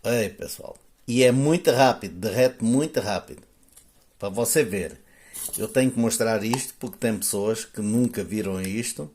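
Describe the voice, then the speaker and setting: Recorded in a room with noticeable echo, a man from Portugal hosts an easygoing how-to video in a lowish, somewhat mellow voice. His European Portuguese accent comes through as he talks on and on while working, often saying "né?" and "ó".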